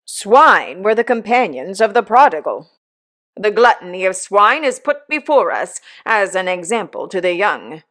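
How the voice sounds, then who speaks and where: A woman's voice: medium pitch, sing-song, unhurried, fairly bright tone. A woman voicing a pompous, preachy male church clerk who speaks in a sermonizing, self-important way.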